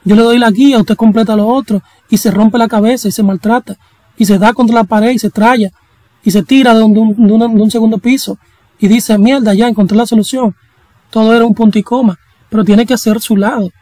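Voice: mid-range voice, fairly even intonation, brisk, darkish tone, no echo, rough recording. Casual coding instructor. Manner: casual, chatty teaching with slang and jokey asides. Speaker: programming instructor. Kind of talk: screen-recorded coding tutorial.

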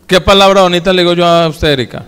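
Male pastor preaching, chatty, asks the church stuff, kinda high smooth voice, big echoey hall. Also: fairly even intonation, quick pace, a bit bright. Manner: folksy, addresses the congregation directly with questions. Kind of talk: sermon.

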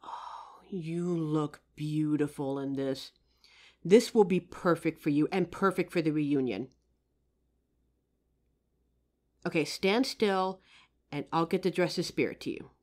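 A woman playing a kind, playful psychic who gently helps a ghost in an audio roleplay. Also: low-pitched, measured pace. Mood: admiring, gentle. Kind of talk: audio roleplay addressed to the listener.

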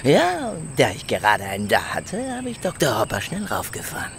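An actor playing an easygoing, chatty delivery driver in an audio drama, talking in a colloquial, offhand way. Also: male voice, mid-range voice, wildly swooping pitch, brisk, gravelly, background noise. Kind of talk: German audio drama acting.

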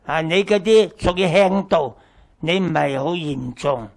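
A man's voice: fairly high pitch, unhurried. An older man with a Hong Kong Cantonese accent, teaching a health talk and answering questions in a bluntly joking way, with many repeats. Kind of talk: lecture with audience questions. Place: small lecture hall.

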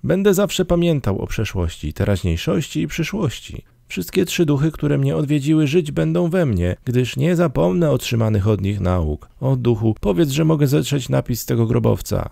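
A man's voice: medium pitch, big pitch swings, moderate pace, creaky, few pauses, dark tone, dry recording, clean studio sound, voice pushed up, exaggerated voice. A man reading an audiobook, voicing a terrified old male miser who desperately pleads with a spirit in a raised, anguished voice. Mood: fervent vowing. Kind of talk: audiobook character voice.

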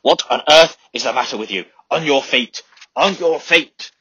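A man voicing a bullying army sergeant who shouts and rants orders at his men. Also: deep voice, flat delivery, rapid-fire, no room sound. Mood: commanding. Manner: shouting, ranting. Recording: slightly dull lo-fi recording.

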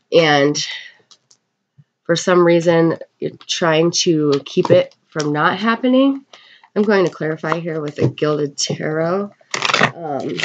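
Sniffly woman reading tarot, dull sound. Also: deep voice. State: getting over a bad cold, sniffly. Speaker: tarot reader. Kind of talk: casual tarot card reading. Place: indoors at a table in a room.

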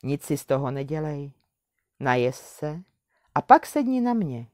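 A woman voicing a small, skinny magical white horse who is wise and loyal, speaking in a gently reassuring, unhurried way in a storybook reading. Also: sits low, very animated, no room sound, studio quality.

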